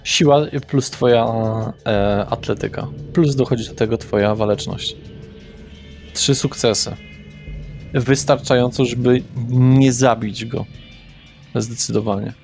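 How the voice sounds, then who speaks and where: A man running a tabletop horror game as game master, narrating in a slow, measured way. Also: mid-range voice, creaky.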